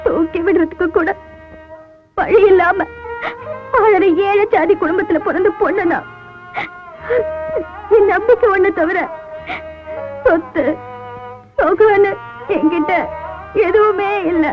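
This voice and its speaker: A young village sweetheart, very high voice, pleading and emotional, on tinny film sound. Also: female voice, slow pace, pauses often, music in the background. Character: young village woman, poor, devoted and jealous lover. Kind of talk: Tamil film melodrama acting.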